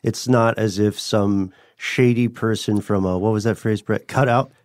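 A man co-hosting a podcast, discussing things in measured, articulate phrases. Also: fairly low pitch, fairly even intonation, darkish tone, dry recording. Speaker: podcast co-host.

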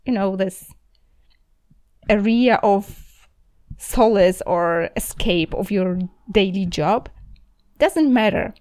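A woman's voice: medium pitch, vocal fry, a little mellow, no echo. A woman host giving an earnest, encouraging introduction to an interview.

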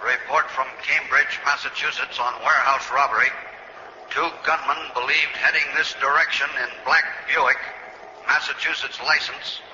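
A man's voice: medium pitch, steady tone, moderate pace, bright, forceful tone. A man playing an urgent police dispatcher, reading an official bulletin over police radio in a vintage crime drama. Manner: official, declamatory bulletin delivery. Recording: reverberant, muffled, noisy old radio recording.

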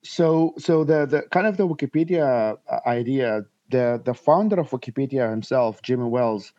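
A man from Iraq, in his thirties, answering interview questions in halting speech with frequent restarts and fillers. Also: medium pitch, mellow, dry recording, dull audio. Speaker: guest, nonprofit founder.

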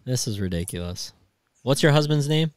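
A man with a Wisconsin accent hosts a casual podcast, teasing his guests in easy banter. His voice sits at a middle pitch, with a conversational, joking lilt. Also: expressive, normal speed, dry recording, studio quality. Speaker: podcast co-host. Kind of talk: casual chat.

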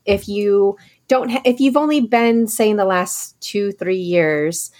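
A woman's voice: medium pitch, measured pace, a little mellow. A woman co-hosting a podcast, chatting casually and rambling through questions for listeners with many restarts. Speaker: podcast co-host.

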